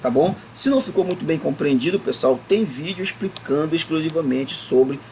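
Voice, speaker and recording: Guy teaching a class video, patient, drags words out slow, little bit of background noise. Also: on the high side, lively intonation, a little mellow, rough recording. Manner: patient, drawn-out explaining, stretching words to stress syllables. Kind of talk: recorded classroom lesson.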